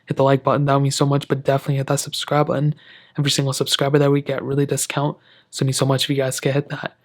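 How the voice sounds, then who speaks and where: A man presents a casual how-to tutorial at a very brisk clip. His pitch stays flat and steady throughout, and his phrasing is informal and wordy, aimed directly at the viewer. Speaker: tech tutorial host. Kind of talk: casual step-by-step tutorial narration.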